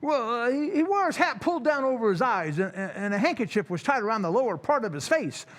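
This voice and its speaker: A man's voice: extremely high pitch, big pitch swings, quick pace. A man playing a flustered, eager working-class station attendant in an old-time radio drama, stammering and rambling in slang.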